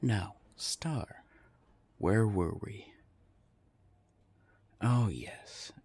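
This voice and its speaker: A man playing a haughty centuries-old vampire in an audio drama, husky and gravelly, with a condescending, taunting, theatrical manner. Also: lowish voice, expressive, drawn-out words, a little mellow, heavily acted. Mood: smug menace.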